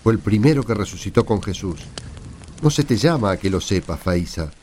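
A man's voice: on the low side, animated, fairly quick, dark tone, slight background noise, natural voice. A man with an Argentine accent playing an earnest, assured apostle testifying to friends in a radio play. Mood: solemn, earnest. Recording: music under the voice.

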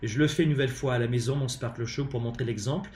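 A man from France with a French accent, hosting a live-streamed motivational talk on leadership from home, emphatic and animated with lots of hesitant fillers. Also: medium pitch, racing, echoey room. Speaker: leadership coach and live show host.

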